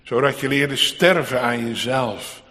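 Man, pastor, solemn sermon, rhetorical questions, very slow delivery, long church reverb. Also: mid-range voice, sharp tone. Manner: slow, solemn preaching with rhetorical questions, rising to emphatic peaks.

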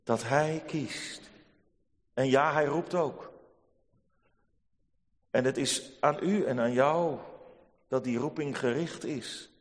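A man preaching a sermon to his congregation, solemn and measured, rising to emphatic peaks. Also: medium pitch. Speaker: pastor. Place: church. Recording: long church reverb.

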